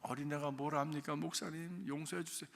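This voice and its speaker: A pastor voicing a gentle church elder. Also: male voice, a little high, fairly even intonation, fairly quick, creaky, long reverb tail. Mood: pleading. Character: kind church group leader comforting a child.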